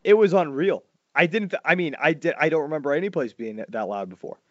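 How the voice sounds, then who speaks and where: A man, hosting a casual podcast chat and telling stories loudly, his voice jumping up high when he gets worked up. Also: quick pace, no echo. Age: 40s. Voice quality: loud voice. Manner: animated storytelling, swings high when excited. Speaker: podcast host. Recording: dull lo-fi dry sound.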